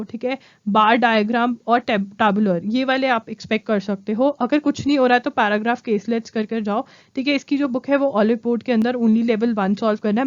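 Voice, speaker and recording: Young female tutor, higher voice, dry slightly muffled mic, direct and repetitive. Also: dry recording. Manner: direct, repeats key points, checks in with "ठीक है?". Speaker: exam coaching educator. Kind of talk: Hinglish exam-prep lesson to camera.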